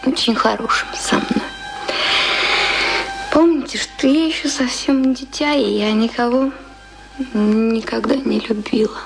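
A well-bred, naive young lady in a radio play. Her voice is high, prim yet affectionate, with anxious, hesitant repetitions. Music plays clearly behind her. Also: measured pace, pauses often, rough recording. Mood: tender, timid. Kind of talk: Russian radio play acting.

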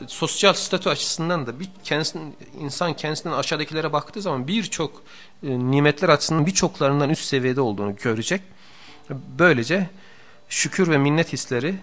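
A middle-aged man giving a religious lecture on the radio, explaining points in a measured way and stacking up lists and repetitions for emphasis. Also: a little high, a bit bright. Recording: radio archive with faint music.

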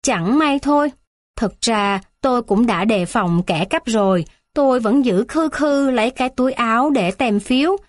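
Woman voicing old grandma, higher than the narration, reproachful, dry. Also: lively intonation, moderate pace, no echo, lightly acted. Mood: remorseful. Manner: pleading, reproachful. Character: old grandmother, remorseful then wounded and tearful.

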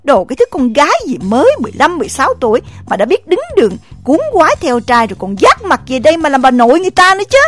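A woman voicing a jealous village wife with a Southern Vietnamese accent, high-pitched and swooping as she scolds in a shrill, cutting voice. Soft music sits under this audio drama. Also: very animated. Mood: furious. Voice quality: shrill, scolding, rapid-fire.

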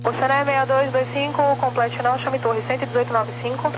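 A woman's voice: high-pitched, fairly even intonation, fast. A Brazilian woman working as an air traffic controller, giving clipped procedural instructions over the radio.

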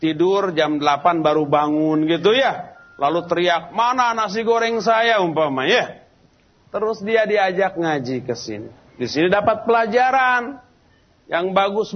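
A male preacher with a high voice gives a relaxed sermon in a large mosque. He talks casually and tells little stories, slipping into the voices of the people he quotes. The recording sounds dull and lo-fi. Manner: colloquial, storytelling teacher who acts out quoted people. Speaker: Islamic preacher. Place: large mosque lecture hall.

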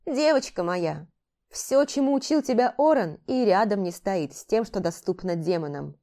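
A woman voicing a wise, sardonic male talking cat who calmly lectures and teases his young mistress in an audiobook. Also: mid-range voice, moderate pace, close to an everyday voice. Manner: calm and lecturing, with dry teasing.

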